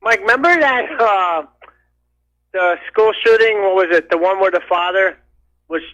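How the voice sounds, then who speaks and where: A man's voice: high voice, moderate pace, bright, forceful tone, no room sound. A man calling in over the phone to a talk radio show, talking in an indignant, rambling way full of restarts. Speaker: caller. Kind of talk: call-in radio chat. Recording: muffled phone line.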